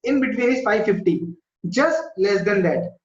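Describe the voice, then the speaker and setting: A man with a high, sing-song voice and a South Asian accent teaches an online school maths class at normal speed. He explains step by step, repeats himself, and keeps checking with short questions whether students understand. Recorded in an indoor room during an online video class, the audio is muffled and echoey.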